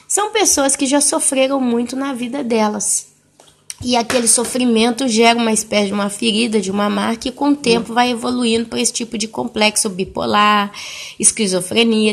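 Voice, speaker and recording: A woman preaching as she tells a story, conversational and repetitive in her retelling. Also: a little high. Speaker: Christian preacher. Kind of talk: religious storytelling talk.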